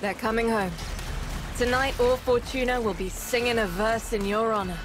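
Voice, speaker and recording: A comradely female ally in a video game, acted by a woman. She speaks gratefully in a fairly high voice with clear music behind her. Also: steady tone, moderate pace, natural voice. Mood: relieved, proud.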